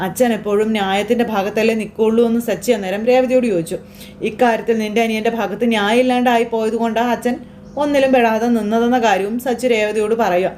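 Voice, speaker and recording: A woman's voice: on the high side, fairly even intonation, fast, a little mellow, slight background noise. A woman casually retelling a TV serial episode as a chatty storyteller, quoting the characters' lines herself. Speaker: serial recap narrator.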